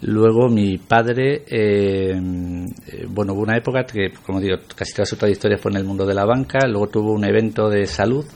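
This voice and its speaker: A man's voice: fairly low pitch, fairly even intonation, moderate pace, darkish tone. A middle-aged man from Spain, a guest on a radio interview, talking reflectively with many hesitations.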